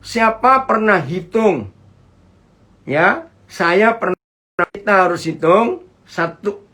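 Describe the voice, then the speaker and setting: A man's voice: sits high, animated, takes it slowly, pushed and bright. A man preaching a sermon over a video call, chatty, asking his listeners questions and greeting viewers as they join. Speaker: pastor. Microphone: computer mic on a video call.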